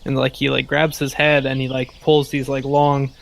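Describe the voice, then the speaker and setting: A man playing a tabletop game, casually describing his character's actions in halting phrases peppered with "like". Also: medium pitch, little pitch movement, gravelly. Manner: halting, heavy use of like.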